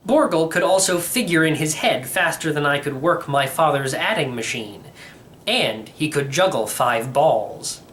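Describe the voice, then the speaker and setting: A man reading a children's novel aloud as expressive first-person narration. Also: a little high, slight background noise. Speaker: audiobook reader.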